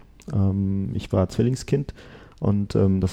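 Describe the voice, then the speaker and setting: The man speaks in a fairly low voice with a dark, mellow tone. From Germany, Münsterland. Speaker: wheelchair racing athlete. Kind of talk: interview. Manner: halting, many fillers.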